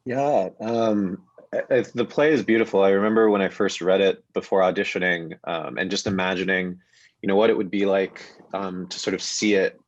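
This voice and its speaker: A man with a lowish voice talks reflectively and haltingly in a relaxed panel discussion. The recording is dry and a bit dull, as if over a video call. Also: no room sound. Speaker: actor, panel guest. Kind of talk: casual panel conversation.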